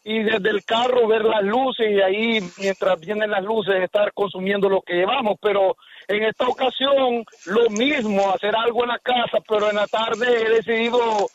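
High-voiced man halting on a phone line. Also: fairly even intonation. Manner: halting, many fillers and restarts. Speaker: radio caller. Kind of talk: casual call-in opinion. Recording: muffled phone line with faint hiss.

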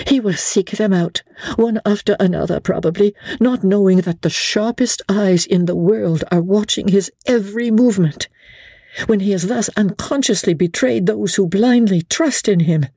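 A woman's voice: mid-range voice, mellow, husky, no echo, pitched above the performer's own voice. A woman voicing an earnest, desperate English lady in a dramatic audiobook, urgent and resolute as she pleads.

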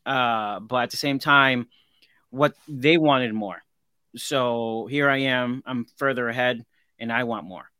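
A man's voice: medium pitch, slow pace, bright, forceful tone, clear, resonant tone, dry recording, studio quality. A man in his forties, a guest craftsman in a casual interview, talking earnestly and reflectively and often restarting his sentences. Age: 40s.

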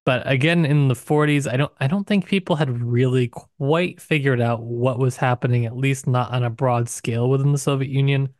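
A man's voice: medium pitch, moderate pace, few pauses, a little mellow, dry recording, clean studio sound. A man co-hosting a podcast, talking through books casually and thoughtfully, often qualifying what he says as he goes. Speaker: podcast co-host. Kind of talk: casual book discussion.

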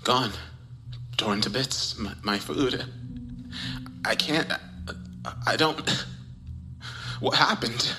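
A man's voice: fairly low pitch, fairly even intonation, unhurried. A man doing a frightened, stammering recluse. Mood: shaken. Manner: whispering, stammering. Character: terrified isolated man, unravelling, paranoid. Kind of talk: recorded audio log.

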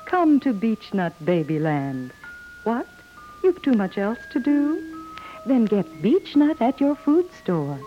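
A woman's voice: on the high side, big pitch swings, slow. A woman delivering a rhyming, scripted 1950s radio advertisement as spokeswoman. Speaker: commercial spokeswoman. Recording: dull old radio recording over music.

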